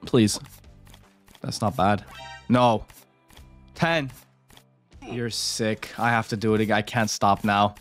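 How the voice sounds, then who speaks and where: A man's voice: on the low side, fairly even intonation, takes it slowly, long pauses, faint music behind. Swearing man giving casual gameplay commentary. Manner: swearing, talking straight to viewers. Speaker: gambling streamer. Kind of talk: casual commentary while playing.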